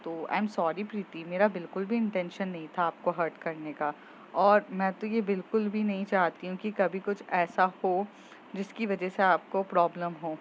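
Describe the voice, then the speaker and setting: A woman doing a gentle soothing schoolgirl. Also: on the low side, fairly even intonation, normal speed, muffled recording, slight background noise, lightly acted. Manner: soft and soothing.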